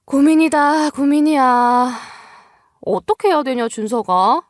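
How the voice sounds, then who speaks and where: Woman playing a worried woman boss, high-pitched. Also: unhurried, dry recording, studio quality. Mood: anxious, torn. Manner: anxious, hesitant.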